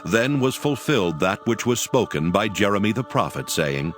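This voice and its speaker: A man's voice: fairly low pitch, animated, moderate pace, music in the background. A man narrating scripture as a dramatized reading.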